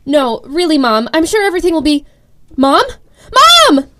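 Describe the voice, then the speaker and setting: A woman's voice: animated, normal speed. A woman playing a frightened but determined young heroine in an audio drama, urgent, panicked and emotional. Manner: urgent, high-strung, emotional.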